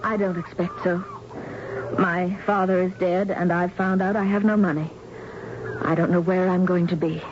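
A woman's voice: lowish voice, little pitch movement, normal speed, close to an everyday voice. An actress playing a polite, earnest young woman in a radio drama, speaking in a proper manner. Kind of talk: radio drama acting and narration. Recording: dull, noisy old radio recording.

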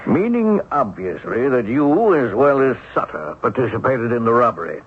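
An actor playing a stiff, haughty bank executive in a radio mystery drama, formal, cold and clipped. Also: male voice, mid-range voice, very animated, normal speed, breathy edge. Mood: guarded, disdainful. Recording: muffled old radio broadcast.

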